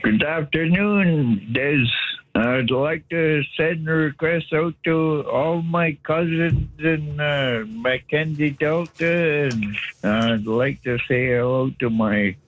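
A man calling in to a radio show, slowly listing greetings to family with pauses. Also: on the high side, rough recording. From Canadian Arctic. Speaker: caller. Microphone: phone line.

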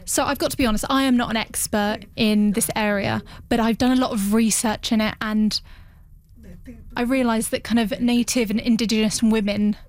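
High-voiced woman interpreting an interview. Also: steady tone. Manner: measured, with pauses and restarts. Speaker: sign language interpreter voicing a guest. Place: radio studio.

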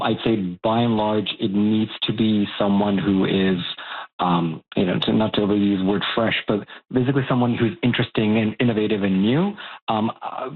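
A man's voice: lowish voice, husky. A man from Bosnia and Herzegovina, a young adult, speaking as a guest expert in a radio interview, thoughtful with many fillers and restarts. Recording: tinny phone line.

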